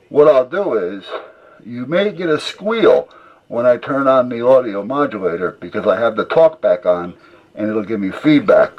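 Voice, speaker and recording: A man's voice: fairly low pitch, muffled recording. A man giving a casual hands-on demonstration in a folksy, rambling way, as a hobbyist presenter. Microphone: camera mic about a foot away. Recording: clear background noise, radio sounds.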